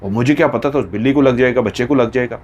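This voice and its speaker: A man voicing a brash young man who keeps defending himself with quick excuses in a story. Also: medium pitch, a little mellow, muffled recording, natural voice. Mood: defensive.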